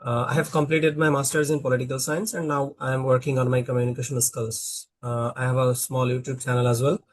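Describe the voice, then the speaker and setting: A man's voice: mid-range voice, flat delivery, fairly quick. Bangladeshi man asking questions in practice chat. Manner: questioning, filler-heavy, restarts. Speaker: conversation partner, small YouTuber. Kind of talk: casual practice conversation.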